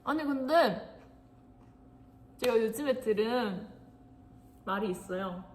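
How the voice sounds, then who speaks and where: A woman's voice: fairly high pitch, lively intonation, slow pace, a little hiss or hum. A young woman hosting a casual livestream, chatting and giggling as she talks straight to her viewers.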